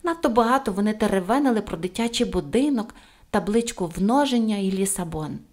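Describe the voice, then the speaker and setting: A woman's voice: medium pitch, lively intonation, brisk, darkish tone, natural voice. A woman voicing a cheerful, cheeky little girl in an audiobook, with playful, exclaiming lines. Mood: friendly. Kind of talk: audiobook character voice.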